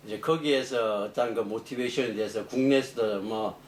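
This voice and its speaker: A middle-aged man, a professor being interviewed, explaining technical matters off the cuff in a halting way. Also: medium pitch, steady tone. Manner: halting, explanatory, rephrasing as he goes. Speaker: engineering professor, interview guest. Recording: echoey room, distant mic, faint noise.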